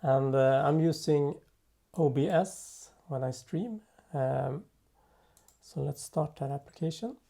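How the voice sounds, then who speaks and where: A man presenting an unscripted software tutorial in a halting way, thinking aloud as he works. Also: on the high side, creaky. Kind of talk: unscripted software demo narration.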